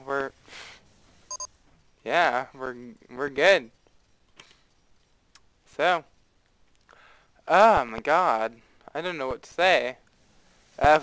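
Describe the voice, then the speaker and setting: A man's voice: on the high side, fairly bright tone, clear, resonant tone, dry recording, rough recording. A young man casually commenting on his own gameplay, rambling and playfully dramatic, with a desktop mic and faint background noise. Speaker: let's play host.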